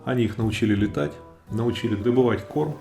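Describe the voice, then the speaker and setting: A man giving a calm, explanatory nature commentary. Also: on the low side, a little fast. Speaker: narrator of a nature video. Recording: roomy echo, faint music behind.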